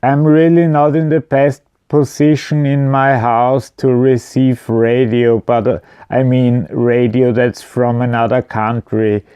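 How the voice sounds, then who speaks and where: A man's voice: mid-range voice, flat delivery, takes it slowly, few pauses, dark tone, smooth, no room sound, studio quality. A man giving an informal product explanation at home, speaking in a hesitant, matter-of-fact way. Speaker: video presenter. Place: indoors at home.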